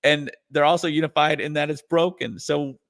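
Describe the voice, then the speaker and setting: A man's voice: fairly high pitch, fairly even intonation, moderate pace, a bit bright. A man chatting as a guest in an interview, rambling with restarts and lots of "you know". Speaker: guest musician and comedian. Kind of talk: casual interview chat.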